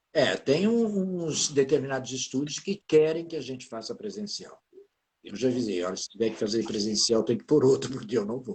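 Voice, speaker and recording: A man's somewhat breathy voice with very wide pitch swings and big swings in loudness. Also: medium pitch for a man, moderate pace. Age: 70s. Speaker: voice actor and stage actor. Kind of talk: interview.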